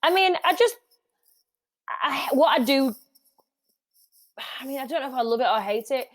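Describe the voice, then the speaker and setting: A woman's voice: high voice, expressive, normal speed, no echo, clean studio sound. A middle-aged woman, a music industry guest, chatting casually in an interview with frequent restarts. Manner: chatty, restarts often, laughs easily.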